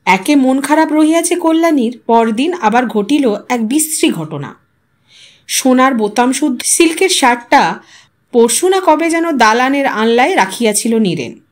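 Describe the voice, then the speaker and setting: A woman storyteller narrates literary fiction. Her voice is high and swings widely in pitch, giving the prose an expressive, dramatic shape. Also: moderate pace.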